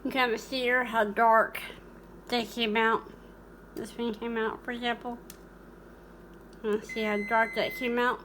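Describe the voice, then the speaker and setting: Bright high-voiced woman vlogging casually. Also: level tone, unhurried, long pauses, slight background noise. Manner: rambling, many fillers and restarts. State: hiccuping. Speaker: cooking channel host. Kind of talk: casual vlog chat.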